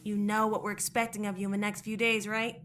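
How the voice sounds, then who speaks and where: A woman's voice: medium pitch, little pitch movement, quick pace, a bit bright, a little hiss or hum, lightly acted. A woman voicing a cold, impatient, commanding schemer in an audio drama, terse and stern.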